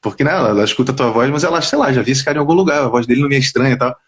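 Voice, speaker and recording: Fast, lively Rio voice actor. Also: male voice, medium pitch. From Brazil. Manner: quick, animated storyteller, drops into quoted voices. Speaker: voice actor guest. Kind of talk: casual interview chat. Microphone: headphones on a video call.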